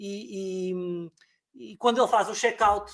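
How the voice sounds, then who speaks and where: Fairly even in intonation, a man speaks with a European Portuguese accent. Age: 40s. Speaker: business speaker and consultant. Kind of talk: live-streamed business podcast chat. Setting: live stream.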